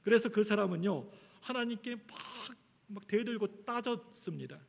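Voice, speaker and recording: A man's voice: sits high, lively intonation, normal speed, gravelly. A male pastor preaching a Sunday sermon, earnest and building to emphatic appeals to the congregation. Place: church sanctuary. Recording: echoey church hall.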